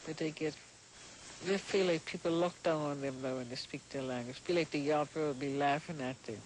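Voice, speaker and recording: An elderly woman speaks with an African American Gullah accent in a low-set, emphatic voice. She talks plainly, as in an interview, on an old outdoor tape with clear background noise. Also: a little fast, a little mellow, low-quality recording. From southern United States. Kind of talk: plain-spoken interview talk. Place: outdoors by a wooden house.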